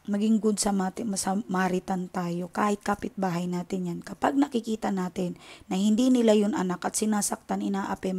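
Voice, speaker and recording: Impassioned Filipino woman, mellow voice. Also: mid-range voice, creaky. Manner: impassioned, indignant, switching between Tagalog and English. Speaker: tarot reader and channel host. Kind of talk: casual chat to viewers.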